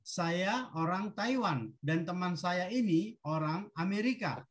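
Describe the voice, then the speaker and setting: Woman language teacher, very slow pace. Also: fairly low pitch, animated. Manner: deliberate, instructional. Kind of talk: language drill, reading short sentences for repetition.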